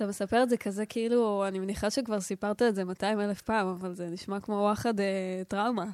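The speech comes at a fairly quick pace in a flat monotone. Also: woman, medium pitch for a woman. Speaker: radio host. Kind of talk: radio interview. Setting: radio studio.

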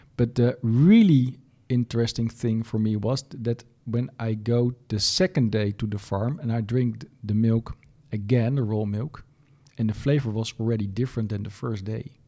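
Speaking at a moderate pace with a Dutch accent, a man at a medium pitch has fairly even intonation and a dark, mellow tone. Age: 40s. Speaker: milk sommelier and farmer. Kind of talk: interview. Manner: halting.

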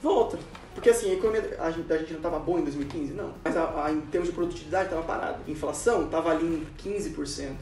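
A man's high voice at a very fast pace, ordinary pitch variation, audible room echo and noticeable background noise. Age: 20s. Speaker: journalist. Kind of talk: casual chat.

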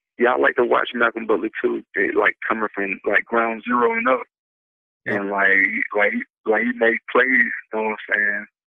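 A man speaks at a moderate pace with an American accent. He leaves long, frequent pauses. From US South (Georgia). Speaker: college football player, NFL draft prospect. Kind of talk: interview. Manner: informal, repetitive fillers.

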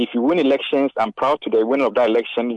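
The speech comes at a very fast pace, with a dry, close sound and no echo. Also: man. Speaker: government lawyer and politician. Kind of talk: phone interview. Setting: phone call.

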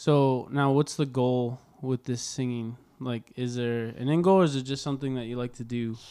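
The voice has a dark, mellow tone and fairly even intonation. It moves at a moderate pace with hardly any pauses. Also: man, medium pitch for a man. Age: 20s. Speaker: podcast host. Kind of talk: casual interview. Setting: studio.

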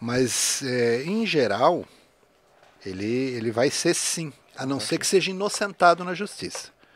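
A man's medium-pitched voice with very wide pitch swings, at a fairly slow pace. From Brazil, São Roque (São Paulo state). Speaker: retired military police colonel. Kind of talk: casual interview.

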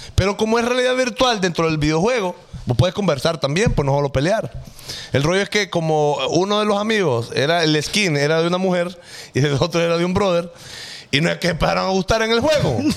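A man with a high voice talks at a fairly quick clip, his intonation lively and his loudness very even, over noticeable background noise. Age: 30s. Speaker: podcast co-host. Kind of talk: casual chat. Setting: live stream.

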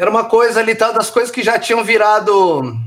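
A man with a high pitch for a man speaks with ordinary pitch variation. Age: 40s. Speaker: journalist. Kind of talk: casual chat.

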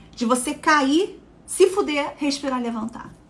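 Over noticeable background noise, a woman with a high pitch speaks in an animated tone at a fairly slow pace. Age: 30s. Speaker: weight-loss coach. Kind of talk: live class to students.

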